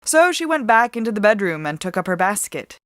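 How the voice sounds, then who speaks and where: A woman narrating a story as a dramatic reading, with deliberate, expressive storytelling. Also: medium pitch, no room sound, clean studio sound. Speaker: author and storyteller.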